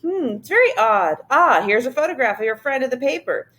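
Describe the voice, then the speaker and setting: A woman doing a brisk, skeptical father. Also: high-pitched, sing-song, fairly bright tone, pitched above the performer's own voice. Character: father, middle-aged man, brisk and skeptical.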